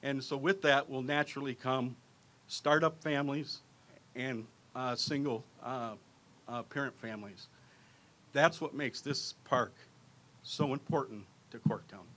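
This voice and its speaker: Halting man speaking at a park ceremony. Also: mid-range voice, fairly bright tone. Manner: halting, with many fillers and restarts. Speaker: neighborhood representative. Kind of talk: public speech.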